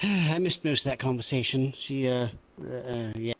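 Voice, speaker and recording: A roleplayer speaking in character in an improvised conversation, hesitant, halting and polite. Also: medium pitch, rough recording. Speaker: roleplayer in a virtual reality game.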